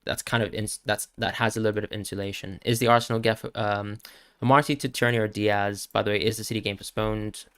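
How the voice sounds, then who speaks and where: A man hosting a live question-and-answer stream, talking quickly as he reads out viewers' questions and answers each one on the spot. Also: fairly low pitch, fairly even intonation, a bit bright, clear, resonant tone, no echo, clean studio sound. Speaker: fantasy football stream host.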